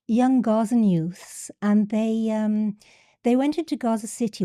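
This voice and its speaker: A woman's voice: medium pitch, mellow, no room sound, studio quality. A middle-aged woman from England with an English accent, a guest in a conversational interview, who often hesitates and restarts her words.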